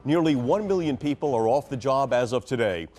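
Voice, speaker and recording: A young adult man anchoring an evening newscast from a studio desk, reading scripted stories in a measured, formal way. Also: medium pitch, animated, a little mellow, faint music behind. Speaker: news anchor.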